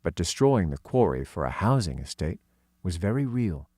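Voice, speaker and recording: Male audiobook narrator, animated storytelling with wide pitch movement, close and dry studio sound. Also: moderate pace, dry recording.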